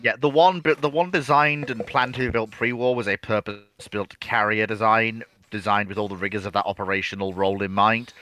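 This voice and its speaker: A man with a slightly low voice and a bright, tense edge takes part in an informal history panel. He is emphatic, choosing formal words and repeating them for weight. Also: fairly even intonation, brisk, few pauses. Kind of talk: casual history discussion.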